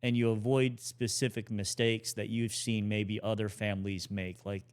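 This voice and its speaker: A man in his forties co-hosting a family podcast, talking in a relaxed, rambling way with restarts. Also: lowish voice, moderate pace, clean tone. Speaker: podcast co-host. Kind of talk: casual conversational talk.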